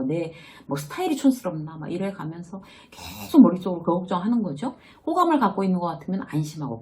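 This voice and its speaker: A woman's voice: on the low side, mellow, a little hiss or hum. A middle-aged woman teaching a casual lesson on self-esteem, acting out the inner voices she quotes. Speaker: workplace lecturer and author.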